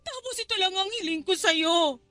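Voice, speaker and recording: Shrill, manipulative weary mother. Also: animated, a little fast, sharp tone, dry recording, clean studio sound, full character voice. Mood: weary, pleading. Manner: guilt-tripping, emotional. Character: weary, pleading, manipulative mother pushing her daughter. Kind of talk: Tagalog radio drama acting. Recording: background music under dialogue.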